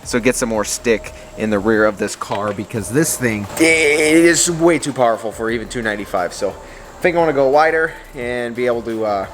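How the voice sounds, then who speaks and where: A man's voice: medium pitch, normal speed, faint music behind. A man chatting casually and off the cuff, as a vlogger giving a product review. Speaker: vlogger reviewing truck tires. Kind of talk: casual chat, off-the-cuff vlog.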